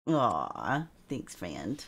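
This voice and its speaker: A woman hosting a talk show, upbeat and quick to praise her guests. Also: rumbling low, sing-song, a crowd in the background. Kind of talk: casual chat.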